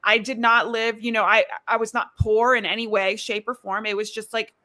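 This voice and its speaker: A woman's voice: a little high, little pitch movement, moderate pace, sharp tone. A middle-aged woman from Ecuador, chatting casually over a video call on a live stream and filling her talk with asides. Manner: chatty, many fillers and asides. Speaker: podcast host.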